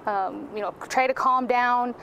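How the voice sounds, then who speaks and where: A woman who works as a first responder giving unscripted interview answers in halting phrases with frequent ums. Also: on the high side, steady tone, vocal fry, bright, forceful tone, slight background noise.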